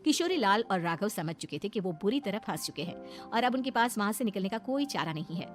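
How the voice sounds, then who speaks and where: A woman narrating a cartoon moral story in a steady, plain storytelling manner. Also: medium pitch, brisk, faint music behind.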